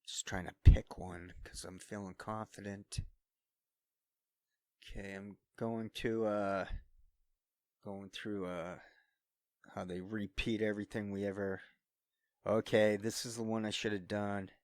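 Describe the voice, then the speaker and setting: A man's voice: fairly low pitch, level tone, measured pace, long pauses, a little mellow, dry recording. A man talking to himself on a solo vlog, his voice gone scratchy from singing, self-deprecating and thinking aloud. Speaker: solo vlogger. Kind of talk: unscripted rambling between singing attempts. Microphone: studio-quality microphone.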